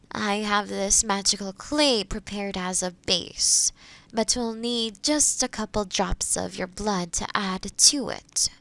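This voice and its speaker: A woman playing a kind, gentle forest witch in a roleplay audio, explaining potion work softly and caringly to the listener. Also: medium pitch, vocal fry, poor audio. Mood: careful, hesitant. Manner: soft, caring, hesitant, explaining patiently.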